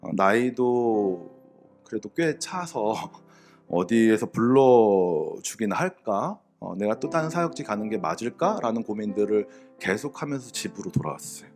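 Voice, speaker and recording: A middle-aged man, a pastor, gives a sermon and shares a personal testimony in a candid, conversational way, with fillers and soft laughs. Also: mid-range voice.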